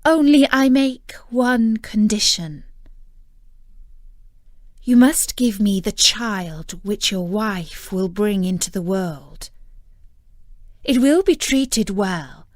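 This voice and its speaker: A woman voicing a stern, angry enchantress in a fairy tale, with a commanding, drawn-out and emphatic delivery. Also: mid-range voice, animated, dry recording. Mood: stern, bargaining. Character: stern, angry enchantress guarding her garden and tower. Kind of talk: fairy tale storybook reading.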